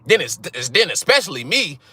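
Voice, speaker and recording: Young man, casual monologue, profane, repeats "right?", slightly high voice. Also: sing-song, brisk, pushed and bright, husky, no echo. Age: young adult. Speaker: channel host.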